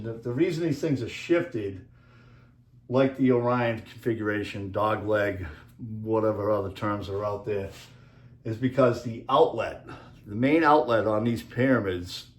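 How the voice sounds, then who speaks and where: A man with a Boston accent rambling through a casual monologue, halting often with fillers as he talks over slides. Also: lowish voice, echoey room. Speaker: video creator and author.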